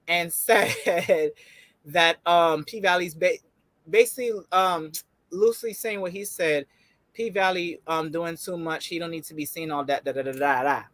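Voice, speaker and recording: A young adult woman co-hosting a casual TV review show at home, chatty and quick to laugh, with loose slang. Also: lowish voice, fairly bright tone, dry recording.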